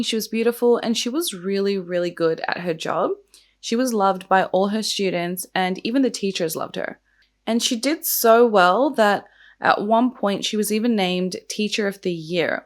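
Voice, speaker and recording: A young woman hosting a true crime and makeup vlog. She talks in a casual, chatty way with lots of "like" fillers, and her voice is croaky from the early morning. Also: medium pitch.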